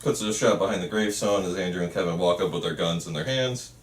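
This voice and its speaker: Guy reading out stage directions, kinda low voice, echoey room. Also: quick pace. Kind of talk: reading screenplay directions aloud. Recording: roomy, faint noise, distant mic.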